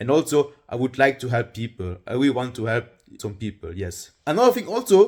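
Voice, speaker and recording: A man speaks at a fairly quick pace with a Luxembourgish accent, his pitch swinging very widely. There's vocal fry in his voice, and the recording is very clean with a silent background. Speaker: vlogger. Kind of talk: casual vlog monologue.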